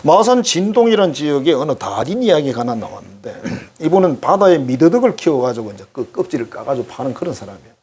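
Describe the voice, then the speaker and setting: With a husky voice on the high side, a male pastor talks fast and with few pauses. His conversational sermon is animated, aimed directly at the congregation, and includes acted-out quoted voices.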